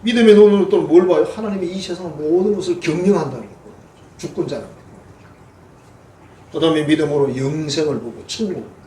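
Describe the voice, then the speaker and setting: His voice on the high side, fairly quick and mellow, a Gyeongsang-accented pastor preaches with folksy humor, acting out quoted voices. The recording comes from a distant mic in an echoey church sanctuary, with a little hiss or hum.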